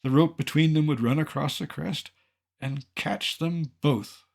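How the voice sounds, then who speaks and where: Gravelly-voiced man in his seventies. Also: fairly high pitch. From Colorado, United States. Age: 70s. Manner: dry, wry humor with measured delivery. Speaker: naturalist giving a public slide lecture. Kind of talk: illustrated lecture with storytelling.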